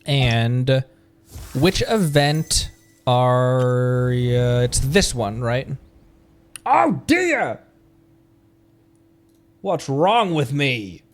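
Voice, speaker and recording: Man reacting live with very lively pitch. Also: extremely slow, long pauses. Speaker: streamer. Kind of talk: casual live reaction commentary. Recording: music playing behind the voice. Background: game trailer music.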